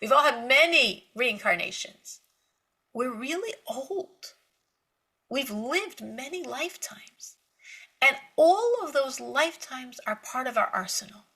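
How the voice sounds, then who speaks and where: Woman teaching a torah class, kinda high voice with a gravelly edge, animated storyteller. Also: takes it slowly. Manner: animated storytelling with emphatic repetition; laughs lightly between points. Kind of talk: spiritual lecture to women.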